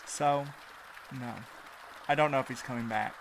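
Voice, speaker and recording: A man's voice: medium pitch, steady tone, normal speed, a crowd in the background, background noise, lightly acted. Blunt, anxious young man played by an actor. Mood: somber, guarded. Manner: blunt, snappy. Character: sardonic, anxious young married man, loyal. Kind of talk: audio drama acting.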